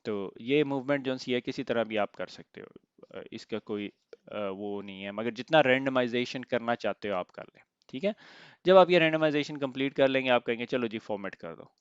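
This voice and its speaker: A man teaching an IT lesson step by step, pausing often to check in, his throat slightly sore. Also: medium pitch, clear, resonant tone, no echo, highs cut off. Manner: explains step by step, often asks "theek hai?". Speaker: IT instructor. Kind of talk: screen-recorded software tutorial.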